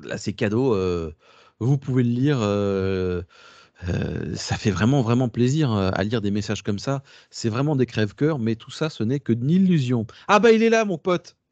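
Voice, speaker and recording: A man's voice: fairly low pitch, moderate pace, mellow, no echo. A man giving a casual workshop talk to a class, digressive, slangy and chatty. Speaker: workshop presenter. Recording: dull lo-fi dry recording.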